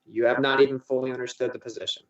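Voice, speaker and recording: A man arguing a flat-Earth position in a combative, dismissive way, firing off points in a debate. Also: mid-range voice. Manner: combative, dismissive, rapid-fire. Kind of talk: debate argument. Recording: roomy, distant, dull audio.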